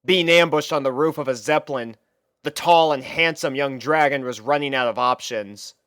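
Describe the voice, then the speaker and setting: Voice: medium pitch, normal speed, a bit bright, no echo, studio quality. A narrator reading a story aloud from a script. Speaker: fan fiction reader and narrator.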